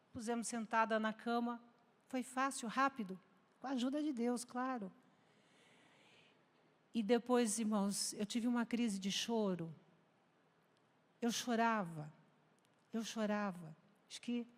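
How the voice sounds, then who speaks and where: A woman pastor from Brazil preaching a sermon, telling a personal story quietly and then rising into fervent exhortation. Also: a little high, in a large hall. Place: large church hall.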